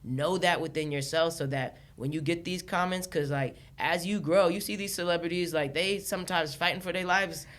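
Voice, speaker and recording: A woman from Los Angeles, a podcast guest chatting casually, animated, laughing often and restarting her sentences. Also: fairly low pitch, moderate pace, hardly any pauses. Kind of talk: casual chat.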